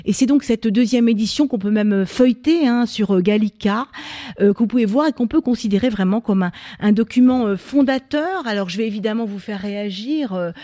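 A woman's voice: mid-range voice, brisk, mellow. A woman hosting a panel debate, speaking with frequent fillers and restarts. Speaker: debate host. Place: library event venue.

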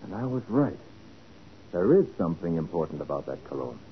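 A confident private detective, inquisitive and briskly in charge. His delivery swings animatedly in pitch, on a muffled, clearly noisy 1940s radio crime recording. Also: big pitch swings. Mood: intrigued.

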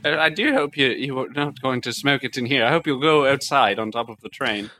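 A man's voice: medium pitch, a little fast, pushed and bright, close to an everyday voice. A man playing a prim, scolding genteel British lady in an improv comedy scene. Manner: prissy, scolding.

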